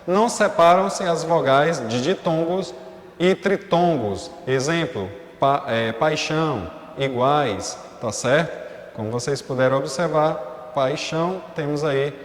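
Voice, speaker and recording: Man teaching a recorded class, slightly high voice, roomy reverberant sound. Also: slow pace. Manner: explanatory, frequent checking fillers. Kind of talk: recorded online class lesson. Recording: echoey room with long reverb.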